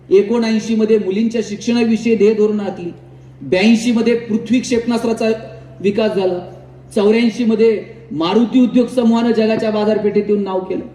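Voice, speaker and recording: A man's voice: high voice, mellow, a little hiss or hum. A man giving a motivational public speech, telling anecdotes and building up lists to punchlines. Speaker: motivational speaker. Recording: echoey hall recorded from far off, faint ambience.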